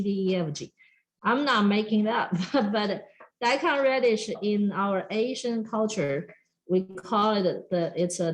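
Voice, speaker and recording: A woman's voice: mid-range voice, rough recording. A middle-aged woman from Taiwan with a Taiwanese accent, giving a chatty, emphatic cooking demonstration at a farm workshop. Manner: lively, chatty, emphatic, talks straight to the audience with frequent "okay?". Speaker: extension educator.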